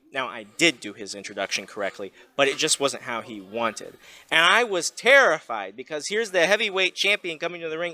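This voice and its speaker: This man has a fairly high, bright, sharp voice with vocal fry and speaks at a moderate pace. The recording is very clean, with a silent background and a dry, close sound with no echo. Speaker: wrestling ring announcer and podcaster. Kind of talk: interview. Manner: loud.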